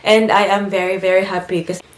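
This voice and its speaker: A woman's voice: mid-range voice, little pitch movement, a little fast, reverberant. A Filipino woman chatting casually to her vlog audience, mixing English into Tagalog, a bit congested from a cold. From Philippines. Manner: chatty, mixes English into Tagalog, laughs while telling stories. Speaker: vlogger. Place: home, indoors.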